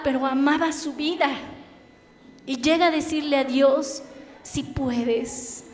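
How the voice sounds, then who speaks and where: A young woman with a Bolivian Spanish accent preaching a sermon in an earnest, emphatic way with dramatic pauses. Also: sits high. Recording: echoey hall with faint noise.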